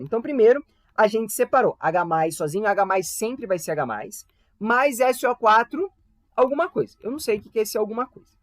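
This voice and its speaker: A man's voice: sits high, no echo. A young man with a Brazilian Portuguese accent teaching a casual online chemistry class, chatty and full of tag questions and playful asides. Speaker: volunteer chemistry tutor.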